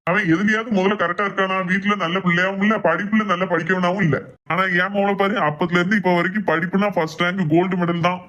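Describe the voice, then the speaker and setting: A woman with a Kanyakumari Tamil accent voicing a calm, indulgent father of about fifty in a comedy cartoon. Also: fairly low pitch, voice pushed down, close to an everyday voice. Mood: dismissive. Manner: dismissive, calm, quick. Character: laid-back fifty-year-old father, calm and indulgent.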